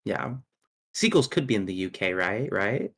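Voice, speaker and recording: A man's voice: on the low side, very animated, moderate pace, creaky, fairly bright tone. A man chatting casually in a group with a teasing, bantering manner.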